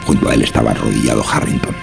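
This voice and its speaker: A man's voice: rumbling low, fairly even intonation, very fast. A man narrating a scripted horror story. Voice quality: gravelly. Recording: music behind the voice.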